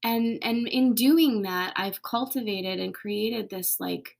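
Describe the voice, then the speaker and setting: A woman podcast host talking candidly in a casual, reflective monologue, sometimes dropping to a soft whisper and swearing casually. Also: fairly high pitch, slow, gravelly.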